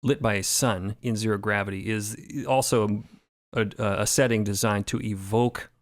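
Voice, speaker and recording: A man's voice: fairly low pitch, steady tone, normal speed, no echo. Articulate man with a dry, close sound. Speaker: podcast creator and narrator discussing the show. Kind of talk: roundtable discussion.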